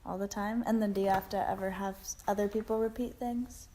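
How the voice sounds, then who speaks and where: Mellow-voiced woman asking interview questions. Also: mid-range voice, steady tone, fairly quick. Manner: asks short, direct follow-up questions.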